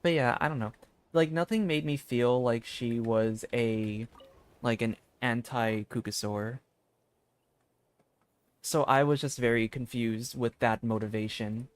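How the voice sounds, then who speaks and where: A man giving casual gameplay commentary as a streamer, rambling and thinking aloud in a halting way. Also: medium pitch, steady tone, clear, resonant tone. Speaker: video game streamer.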